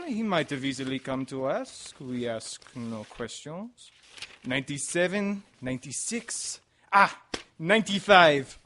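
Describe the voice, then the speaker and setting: A man as a courteous, higher-voiced French Legion colonel. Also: a bit bright. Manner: deliberate, formal, halting on some words. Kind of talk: radio-style mystery drama acting.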